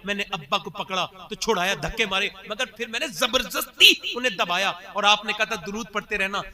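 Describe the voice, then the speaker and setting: A man preaching an emotional storytelling sermon, acting out the voices of the people in his stories and calling out loud pious exclamations. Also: high-pitched, animated, brisk, a crowd in the background. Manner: acts out quoted speakers in dialogue; swells loudly on pious exclamations. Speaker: Muslim preacher.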